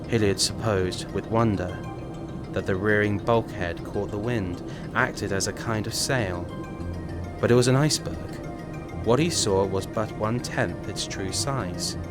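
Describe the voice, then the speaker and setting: Low-pitched man narrating over music. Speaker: audiobook narrator. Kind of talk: dramatic scripted narration.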